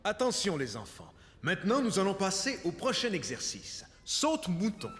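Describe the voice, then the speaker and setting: A man's voice: sits high, wildly swooping pitch, moderate pace, big-room sound, over loud music. A man voicing a friendly, encouraging children's gym teacher in a cartoon, giving step-by-step instructions. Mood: lively, instructive.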